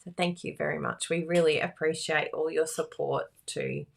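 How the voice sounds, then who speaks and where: A woman with a croaky voice, hosting a live card-making class in a chatty, giggly, self-teasing way. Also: low voice, steady tone, moderate pace. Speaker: card-making instructor and livestream host. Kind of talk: live craft class chat.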